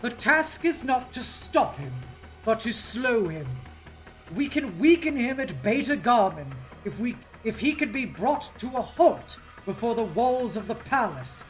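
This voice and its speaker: A woman voicing a grave, resolute male warrior commander in a solemn, deliberate, declamatory novel reading. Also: on the high side, big pitch swings, faint music behind, rough recording. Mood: determined, stern. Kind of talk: dramatic novel read-aloud.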